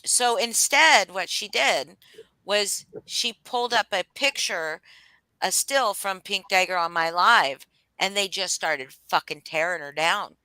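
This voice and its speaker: A woman's voice: medium pitch, unhurried, bright, forceful tone, dry recording, poor audio. A woman hosting a casual chat, talking bluntly and animatedly with plenty of swearing. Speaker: host.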